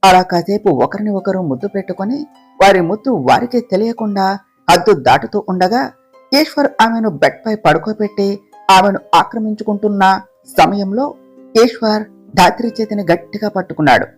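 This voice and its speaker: A storyteller reading a romance story aloud in a slow, even, gentle way. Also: medium pitch, husky, soft background music. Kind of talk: scripted narration of a romance story.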